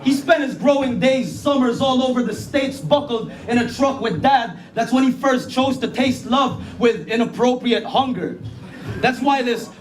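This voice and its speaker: A man from the Philippines performing battle rap, hurling rhymed insults and sometimes shouting them. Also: extremely high pitch, normal speed. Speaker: battle rapper. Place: live battle venue. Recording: echoey room, noisy live audio.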